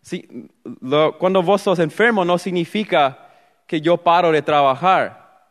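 A young adult man with a Paraguayan Spanish accent preaches an earnest sermon testimony in a fairly high voice, speaking a little slowly. He acts out his inner thoughts as he tells his story, and the recording has a big-room sound.

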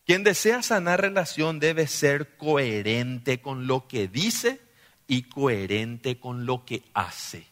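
Man, pastor, sermon, bright ringing voice, long hall reverb. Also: medium pitch, slow pace. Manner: animated preaching, often asks listeners "¿sí?".

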